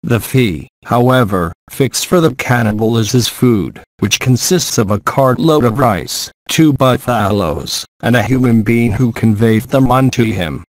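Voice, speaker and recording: A grieving, resigned old Brahmana father, as a man reads him in a storybook reading. His solemn speech comes at a plain middle pitch with a dry, close sound. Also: animated, no echo, natural voice, rough recording. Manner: solemn measured archaic speech. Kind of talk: audiobook reading.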